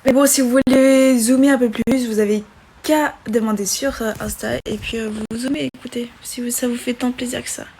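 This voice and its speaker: Young woman chatting, flat and high. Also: a little hiss or hum. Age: 20s. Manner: reads viewer questions aloud and chats back, halting with fillers. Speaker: live-stream host. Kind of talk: casual live-stream chat. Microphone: phone.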